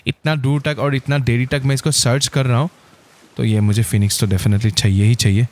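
A man hosting his gaming channel, giving excitable gameplay commentary and calling out to his viewers constantly. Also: mid-range voice, brisk. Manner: excitable, keeps saying "guys".

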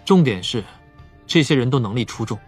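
An actor playing a calm, analytical young male investigator in an audiobook drama, speaking in a measured, reasoning way. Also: mid-range voice, breathy edge, soft background music.

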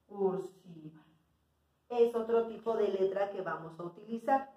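Slow, patient preschool teacher, roomy sound. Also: female voice, mid-range voice, a little mellow. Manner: patient, sounding out words and checking in with "¿sí?". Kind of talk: slow, clear lesson for young children. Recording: roomy sound from away from the mic.

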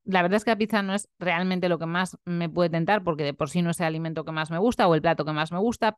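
Earnest, confessional woman with smooth voice. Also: on the low side, dry recording, studio quality. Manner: earnest, confessional, many tag questions. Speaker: nutritionist and vlogger. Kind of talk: reflective personal vlog talk.

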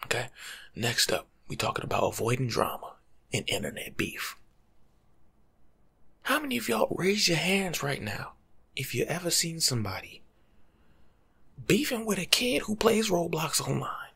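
Breathy young American man, half-whispering ASMR. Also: fairly high pitch, wildly swooping pitch, normal speed, pauses often, bright, forceful tone. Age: young adult. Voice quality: breathy, often dropping to a whisper. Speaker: ASMR video creator. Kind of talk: ASMR role-play monologue, casual life-coach advice. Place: small room at home, indoors.

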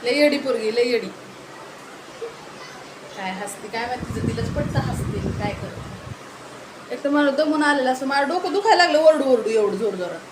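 A woman vlogger chatting at home, telling an animated story and scolding in a casual family vlog. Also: fairly high pitch, moderate pace, pauses often. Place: home indoors. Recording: echoey home room with noise.

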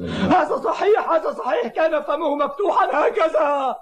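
A man playing an excitable, cowardly village hunter in a dubbed cartoon, exclaiming in a frantic, exaggerated way. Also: very high voice, normal speed, heavily acted. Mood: indignant. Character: excitable, cowardly male villager hunting a dog. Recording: music behind.

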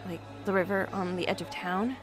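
A woman's voice: lowish voice, fairly even intonation, fairly quick, lightly acted. A woman in her twenties playing a reserved, overworked young office worker in an audio drama, with music behind her. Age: 20s. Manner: reserved, defensive, a little awkward.

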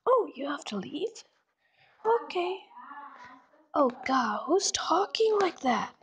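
A woman's voice: high voice, sing-song, slow, heavily acted. A woman voicing a hyperactive, friendly young male cat-boy character, perky and chatty, in an amateur audition. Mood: excitable. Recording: faint background noise with clicks.

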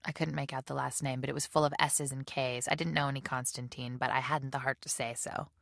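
A woman reading a novel aloud as a measured, subdued first-person audiobook narration. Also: a bass voice, flat delivery, creaky, fairly bright tone, no echo, studio quality. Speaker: audiobook reader.

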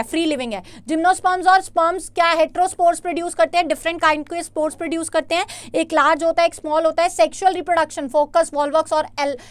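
High-pitched woman teaching biology. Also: no room sound. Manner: interactive, reads out students' answers and praises them; mixes Hindi with English terms, reads questions slowly. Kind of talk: live online exam-prep class.

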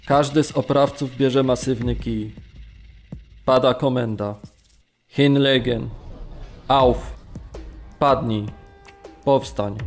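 A male actor plays a man held in a brutal camp, bearing witness in a radio play. His voice sits at a medium pitch as he recounts his ordeal. Faint music runs underneath. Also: darkish tone, lightly acted. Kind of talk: dramatised documentary narration of survivor testimony.

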